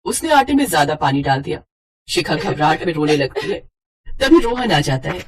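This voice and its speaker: A woman narrating an animated moral storybook in an even storytelling manner. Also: sits low, moderate pace, breathy edge.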